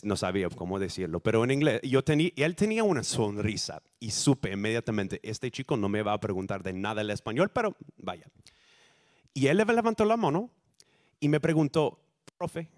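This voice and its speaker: American man preaching in learned spanish. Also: medium pitch. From United States. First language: English. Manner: halting, self-correcting learner's Spanish, lively storytelling. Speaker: guest preacher. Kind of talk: sermon.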